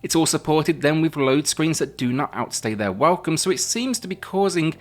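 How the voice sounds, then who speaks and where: A man presenting a video game review in a conversational but scripted narration, speaking in measured phrases with emphatic openings to his sentences. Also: on the high side, animated. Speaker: game reviewer, channel host. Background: music.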